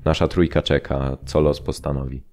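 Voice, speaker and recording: An actor reading as a Polish camp prisoner recounting camp life in an audio drama, sombre, measured and restrained. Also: male voice, very deep voice, level tone, a little mellow. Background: music.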